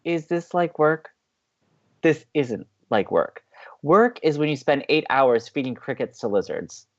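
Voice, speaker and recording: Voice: medium pitch, big pitch swings, unhurried, lo-fi sound. A performer playing an upbeat, chatty young college radio co-host in an audio drama, teasing and playful. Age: young adult.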